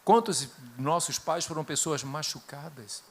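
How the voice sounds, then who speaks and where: A middle-aged Brazilian man with a Brazilian Portuguese accent, preaching a sermon built on personal stories, rising to loud bursts and dropping to hushed tones. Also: fairly high pitch, measured pace, husky. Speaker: guest preacher.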